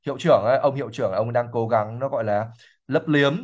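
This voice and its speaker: A man who teaches English walks viewers through word meanings on a livestreamed reading lesson, repeating terms slowly and musing aloud with fillers. His voice is mid-range, and the high frequencies are cut off.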